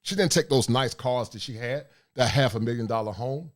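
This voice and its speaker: Middle-aged male livestream host, deep forceful voice, preachy monologue. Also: a little fast. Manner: forceful, preachy, reads chat aloud. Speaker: host of a livestream talk show.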